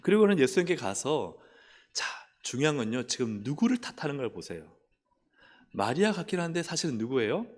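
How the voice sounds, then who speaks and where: A man's voice: medium pitch, brisk. Preaching man in an echoing church. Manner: animated preaching, asks the congregation questions. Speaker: pastor. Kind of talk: sermon. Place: church sanctuary. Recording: long church hall reverb.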